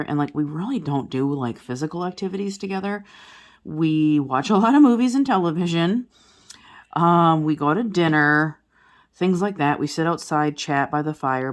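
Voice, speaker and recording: A crafting vlogger in her forties with a low-pitched voice chats casually to viewers while doing diamond painting. She rambles from topic to topic, full of fillers, restarts and self-corrections.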